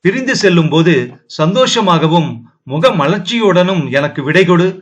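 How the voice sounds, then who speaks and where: A man's voice: high voice, lively intonation, normal speed, muffled recording. A man reading the lines of a young nobleman who speaks to his beloved in a firm, tender way, close to his own voice.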